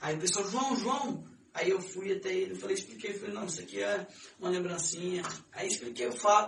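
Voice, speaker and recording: Speaking at a fairly quick pace, a man uses a high pitch and lively intonation. Audible room echo and noticeable background noise fill the recording. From Brazil, Espírito Santo (Serra, Greater Vitória). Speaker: itinerant preacher and worship minister. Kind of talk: casual chat. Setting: studio.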